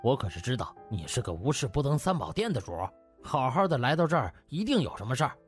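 A male narrator plays a middle-aged official in an audiobook, effusive and loyal to his friend. His delivery is very lively, over faint music, with a slightly husky edge. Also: medium pitch, fast. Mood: knowing, teasing. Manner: effusive, chummy.

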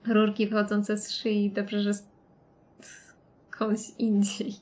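A woman's voice: mid-range voice, completely flat delivery, slow, darkish tone. A woman streaming a game live, chatting and greeting viewers and laughing often. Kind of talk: live let's-play commentary.

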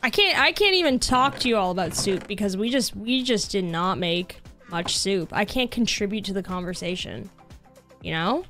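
Chatting with viewers during a gaming livestream, a bubbly young woman breaks into excited outbursts despite losing her voice. She talks at a normal speed in a mid-range voice while soft music plays.

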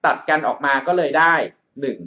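A brisk male math tutor walks through an exam problem in a screencast voice-over, his voice pushed and bright under a muffled recording. He nicknames himself like a big brother and checks in with the student often.

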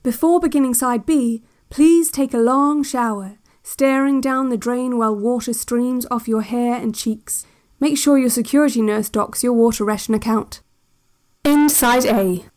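A woman playing a calm, controlling institute narrator on a relaxation cassette, speaking in a measured and quietly menacing way. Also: on the high side, close to an everyday voice. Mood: calm, pointed. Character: soft-spoken, controlling female institute narrator on a relaxation tape. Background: music.

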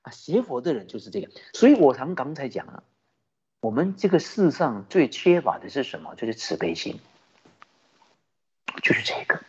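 A man who is a Buddhist teacher, giving a sermon with lively storytelling and rhetorical questions. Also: medium pitch, moderate pace, long pauses, breathy edge. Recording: dull lo-fi recording.

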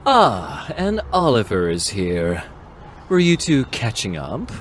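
Romance comic boyfriend, male actor: American, deep, unhurried, protective, loud street noise behind. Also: huge pitch swings, exaggerated voice. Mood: tender. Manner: tender, soothing. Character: protective, smooth-talking young boyfriend. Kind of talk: romantic comic dub acting.

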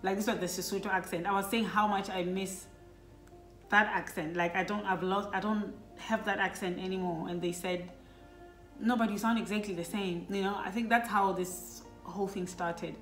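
A middle-aged woman from Lesotho, a vlogger, tells her children a personal story in a casual, reflective family chat full of fillers. Her mid-range voice has a fairly bright tone, fairly even intonation, and a moderate pace. There's a roomy echo and faint background music.

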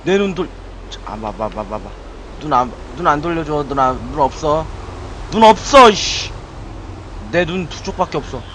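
A man's voice: fairly high pitch, animated, normal speed, a bit bright, slight background noise. A man giving jumpy, frightened let's-play commentary as he streams a game, pleading and muttering curses under his breath.

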